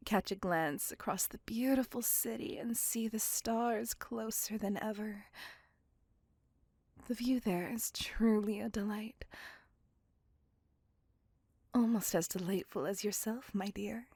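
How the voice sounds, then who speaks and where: Woman doing a polite vampire lady whispering slow and soft, raspy, real intimate and dry. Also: mid-range voice, no echo. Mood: tender whisper. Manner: formal, slow, intimate and reassuring. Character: courteous, possessive female vampire on a date. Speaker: voice actor. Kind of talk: ASMR roleplay.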